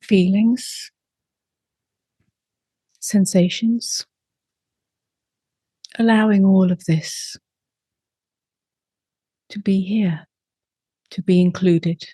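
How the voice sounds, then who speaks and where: A woman leading a guided meditation as a teacher, speaking softly in short unhurried phrases with long pauses, her voice gentle and breathy. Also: medium pitch, fairly even intonation, dry recording.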